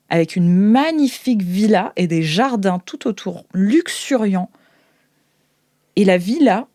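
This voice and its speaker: A French woman improvises the narration of a science-fiction role-playing game. Her voice sits slightly low and sounds very dry, with no room around it. She describes things informally, pausing to hunt for the next word. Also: dark tone, no echo. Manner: informal, descriptive, halting as she searches for words. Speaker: game master.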